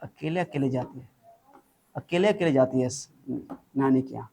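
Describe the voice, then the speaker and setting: This chemistry teacher's mid-range male voice has vocal fry and a slightly mellow quality, moving at a moderate pace. In an informal tutoring lesson, he speaks Hindi sprinkled with English terms, repeats formulas, and scolds his student.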